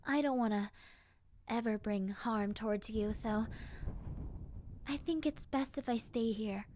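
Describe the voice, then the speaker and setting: Zombie girl for audio drama, played by a woman: gentle, friendly, wistful; high voice, very unhurried, hesitant delivery. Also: slight background noise, close to an everyday voice. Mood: gentle, apologetic. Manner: soft, hesitant, sighing, childlike sincerity. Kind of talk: roleplay audio drama monologue.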